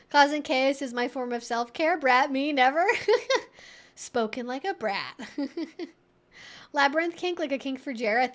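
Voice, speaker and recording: Female streamer, high-pitched voice, informal and wry, reacting aloud to viewer messages. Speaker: livestream host answering viewer chat. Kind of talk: casual livestream chat.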